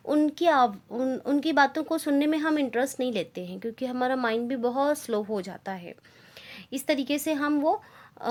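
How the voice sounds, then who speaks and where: Teacher lady, high voice, talks slow and careful, reads out definitions then explains them. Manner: explains in Hindi, reads English definitions slowly and deliberately. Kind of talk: classroom lecture.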